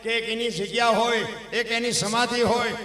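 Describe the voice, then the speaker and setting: A man telling devotional folk stories on stage, emphatic and swelling into loud declamation. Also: very high-pitched, level tone, moderate pace, distant mic. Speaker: dayro storyteller. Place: live stage program. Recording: echoey hall with long reverb.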